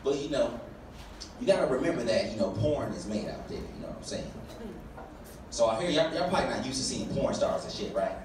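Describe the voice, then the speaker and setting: A man in his thirties doing a stand-up comedy set on a club stage with a handheld mic, loud and animated with profane punchlines. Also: mid-range voice, a little fast, recorded from a distance, background noise. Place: comedy club stage before a live audience. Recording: roomy club audio, loud crowd laughter.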